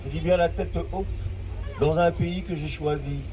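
A man in his fifties, a long-time care aide, giving an impassioned, oratorical testimony full of dramatic pauses and repetition. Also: a little high, steady tone, warm tone, far from the mic, slight background noise, poor audio. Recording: voice from off-mic.

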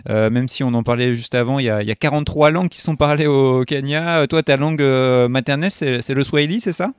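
Male radio host, smooth clear voice, dry studio, hesitant bilingual questioning. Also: medium pitch, no room sound. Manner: halting, many fillers and restarts. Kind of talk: radio interview, translating for listeners.

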